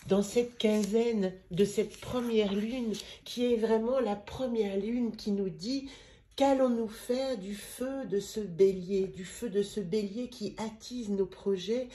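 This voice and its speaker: Brief: middle-aged woman with a cold, gentle rambling card reader, mellow tone. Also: mid-range voice. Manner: gentle, meandering, with pauses and fillers. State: has a head cold. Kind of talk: spiritual card-reading video.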